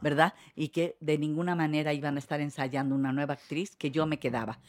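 A woman's voice: low-pitched, fairly quick, dry recording, clean studio sound. An older woman, telling anecdotes in a casual chat, often laughing and restarting her sentences. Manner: lively storyteller, laughs often, many restarts. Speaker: guest actress.

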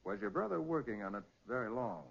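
An actor playing a brisk, shrewd private detective who questions people decisively in a 1940s radio crime drama. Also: male voice, medium pitch, sing-song, gravelly, husky, exaggerated voice. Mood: probing, businesslike. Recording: dull, muffled 1940s radio recording.

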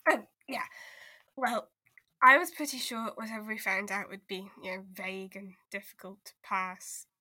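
A woman plays an exasperated arcane investigator with a bright, sharp-edged voice at an average pitch. She is blunt but caring, hesitant when earnest, in an audio drama style. The sound is close and free of room echo. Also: steady tone, normal speed. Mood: measured, reporting. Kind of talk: audio drama table read.

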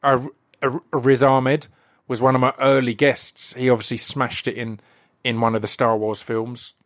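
A man's voice: medium pitch, level tone, moderate pace, no room sound, clean studio sound. A man hosting a podcast, giving a casual, rambling introduction full of restarts and asides. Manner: rambling, chatty, self-interrupting with restarts. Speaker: podcast host.

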